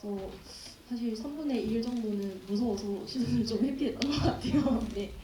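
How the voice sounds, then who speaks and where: A woman in the audience asks a polite question. Her tone is mellow and warm. She sounds distant in an echoing cinema, with a little faint noise. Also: a little high, fairly quick. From Gyeongsangnam-do, South Korea. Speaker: audience member. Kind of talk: asking a question at a Q&A. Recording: echoey cinema hall from far off.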